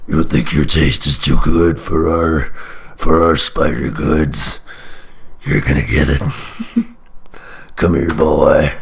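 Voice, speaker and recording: A man puts on a character voice, speaking very slowly with a very deep, low pitch. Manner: menacing, taunting.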